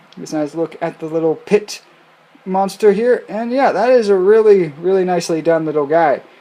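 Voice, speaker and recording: Rather brisk delivery with clear background noise behind it. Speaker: toy reviewer. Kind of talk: product review. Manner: stutters.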